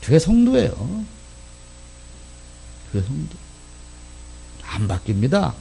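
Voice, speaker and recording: Animated male pastor preaching. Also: a little high, takes it slowly, creaky, slightly rough. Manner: animated, emphatic, asks the congregation questions. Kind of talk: sermon.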